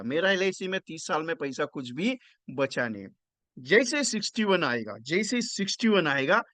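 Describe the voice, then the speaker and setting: A man with a high, fairly bright voice runs an online training session for insurance agents, heard with no echo. He works through the numbers step by step, asks the audience questions, mixes English into his explanation, and repeats phrases for emphasis.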